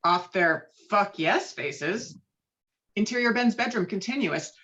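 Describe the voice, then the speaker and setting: A woman's voice: medium pitch, lively intonation, takes it slowly, fairly bright tone. A woman reading screenplay stage directions as narrator at an online table read. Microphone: video call. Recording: dull lo-fi online call audio.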